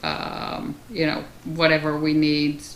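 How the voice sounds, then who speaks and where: A woman with a slight Dutch accent and a fairly low pitch speaks very slowly, with audible room echo and noticeable background noise. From Netherlands. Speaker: vlogger with cancer diagnosis. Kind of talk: personal video diary. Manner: hesitant, many fillers.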